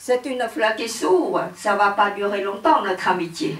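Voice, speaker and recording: Noticeable background noise sits behind a woman's fairly high voice. She speaks at a fairly slow pace with lively intonation. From Cambodia. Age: 60s. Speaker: theologian. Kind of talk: lecture. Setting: conference hall with audience.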